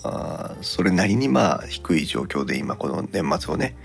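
Male podcast host, casual and jokey yet polite, deep-leaning and very expressive, light music bed. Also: normal speed, vocal fry.

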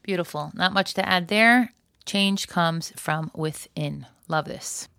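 A woman's voice: fairly low pitch, slow pace, creaky, fairly bright tone, no room sound, studio quality. A woman hosting a solo podcast in a chatty, conversational way, with wry, joking asides. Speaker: podcast host.

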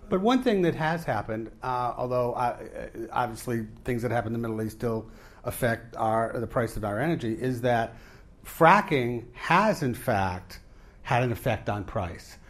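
A man leads a live onstage conversation with an author. His voice sits at an ordinary middle pitch, and he builds his questions slowly with pauses and restarts before handing the floor over. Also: lively intonation. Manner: probing, meandering questions. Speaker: interviewer. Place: live event before an audience.

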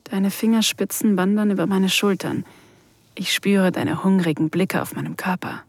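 A woman acting a shy, vulnerable mature woman, narrating an erotic audio drama softly and breathily, often sinking into a whisper. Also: mid-range voice, steady tone, moderate pace, creaky, dry recording. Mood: sensual.

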